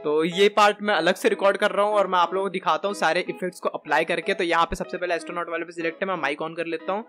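A man in his twenties giving a casual, chatty software tutorial step by step into a close desk microphone. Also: sits high, fairly even intonation, very fast, faint music behind. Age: 20s. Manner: chatty, informal, explains step by step. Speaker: tutorial host. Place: small indoor room at a desk.

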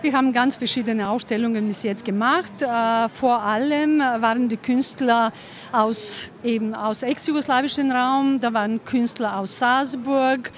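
A woman answers questions at an outdoor festival, pausing often and filling gaps. She speaks very slowly in a slightly high voice. Faint street noise sits behind her. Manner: hesitant, many fillers. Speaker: gallery founder. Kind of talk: interview answers. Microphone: handheld mic.

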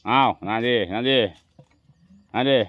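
A man narrating a casual fishing vlog outdoors, chatting to viewers as brothers and sisters. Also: normal speed. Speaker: vlogger. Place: outdoors in rural fields. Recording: muffled lo-fi outdoor audio.

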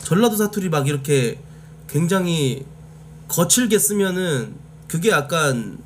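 A Korean man from Jeolla hosts a casual live stream and talks bluntly to his chat, swearing freely along the way. His voice sits high and swings up and down a great deal. A faint hum of background noise runs under the recording. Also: very animated, unhurried. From Jeolla, South Korea.

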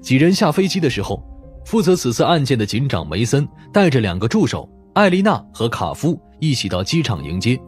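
A man's voice: mid-range voice, very animated, fairly quick, faint music behind. A man reading a mystery novel as a scripted audiobook narration.

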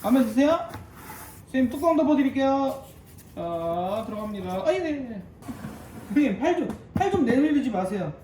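A man's voice: very high voice, sing-song, moderate pace, pauses often. A man talking playfully to a kitten at home in coaxing baby talk, in casual vlog style. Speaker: vlogger, kitten owner. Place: home indoors. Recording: echoey room with faint noise.

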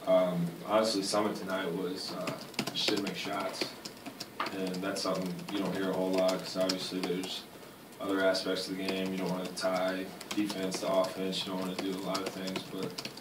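A young man, a college basketball player, answering questions at a postgame press conference in a measured, matter-of-fact way. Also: sits low, monotone. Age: young adult. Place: arena press room. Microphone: table mic, far camera. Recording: echoey room, distant mic, noise.

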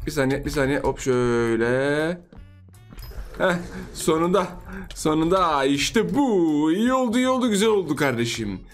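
Young man, high voice, playful gaming commentary, repetitive chatter, faint background music. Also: lively intonation, moderate pace. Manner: playful, chatty, repeats phrases and laughs often. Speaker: gaming YouTuber. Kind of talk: casual gameplay commentary.

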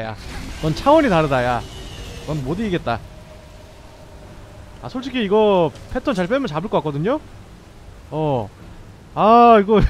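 A young man streaming a game, commenting live and swearing, with sudden yelled bursts. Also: high voice, slight background noise. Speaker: gameplay streamer.

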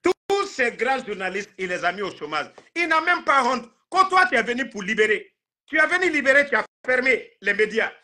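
A man's voice: very high-pitched, very animated, moderate pace, sharp tone. A man in his thirties with a Guinean accent, talking politics on a live stream in an emphatic, indignant, repetitive way. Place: indoor room, video call.

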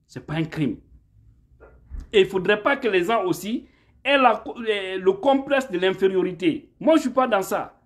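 Emphatic high-voiced man. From Guinea. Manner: emphatic, rhetorical, asks "hein?" often. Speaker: political commentator. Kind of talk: impassioned political monologue. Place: indoor room at home. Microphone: phone camera held at arm's length.

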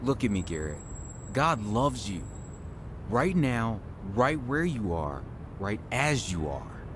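Caring earnest christian friend, radio drama, takes his time, rumbly street noise. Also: big pitch swings. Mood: earnest, consoling. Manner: earnest, measured, exhorting. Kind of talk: radio drama acting, reciting scripture.

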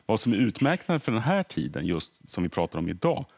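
Husky low-voiced middle-aged man explaining. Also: big pitch swings, a little mellow. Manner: earnest, repeats words as he explains. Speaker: history podcaster guest. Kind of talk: explanatory studio interview. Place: TV morning show studio.

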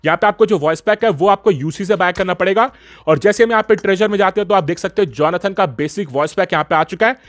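Fast, high-pitched Indian man presenting gaming news. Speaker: gaming YouTuber. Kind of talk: casual gaming news voice-over.

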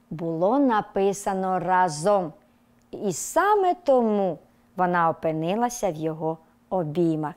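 A woman teaching a televised lesson to young children, telling a little story and dictating words slowly and clearly. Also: on the low side. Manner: lively storytelling tone. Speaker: primary school teacher. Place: TV studio.

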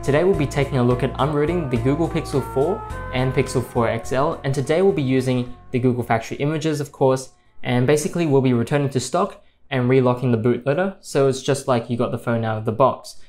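A man hosting a tech tutorial, calmly explaining each step in a screen-recorded voice-over. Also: mid-range voice, fast, soft background music.

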